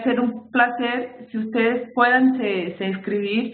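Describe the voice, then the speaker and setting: Fairly slow speech in a Portuguese accent, with audible room echo. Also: woman. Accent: Portuguese-accented Spanish (portuñol). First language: Portuguese (speaking Spanish). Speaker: violence prevention expert. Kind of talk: webinar talk. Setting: online webinar.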